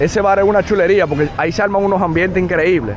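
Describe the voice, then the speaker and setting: A man speaks at a high pitch with fairly even intonation. Noticeable background noise runs behind him. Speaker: travel vlogger. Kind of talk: travel vlog walking tour. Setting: outdoors walking the street.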